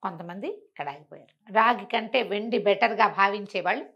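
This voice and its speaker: A woman telling devotional stories conversationally, in an expressive, emphatic way that repeats phrases for effect. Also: mid-range voice, fairly quick, gravelly, dull audio. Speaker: storyteller and talk show guest.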